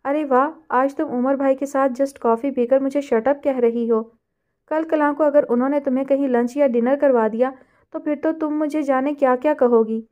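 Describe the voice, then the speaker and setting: A woman's voice: high voice, steady tone, darkish tone, dull audio, close to an everyday voice. A woman voicing a playful, mocking young woman friend in a storybook reading. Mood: teasing. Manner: teasing, mocking.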